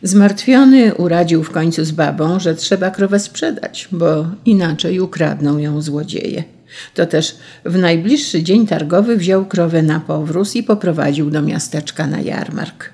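A storyteller narrating a folk tale in a steady, measured way. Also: medium pitch, gravelly, husky.

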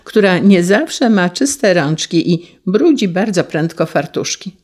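A woman's voice: lowish voice, animated, unhurried, darkish tone. A woman voicing a teasing old grandmother in a read-aloud storybook.

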